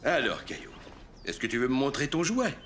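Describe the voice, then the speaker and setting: A man playing a kindly, forgetful old grandfather in a children's cartoon, talking gently and patiently. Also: mid-range voice, big pitch swings, a little fast, over music, natural voice. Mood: warm, playful. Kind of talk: French children's cartoon acting.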